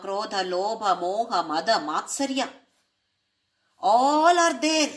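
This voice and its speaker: A woman explaining a spiritual text, posing rhetorical questions and using Sanskrit terms. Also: medium pitch. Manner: asks rhetorical questions to listeners. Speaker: spiritual teacher.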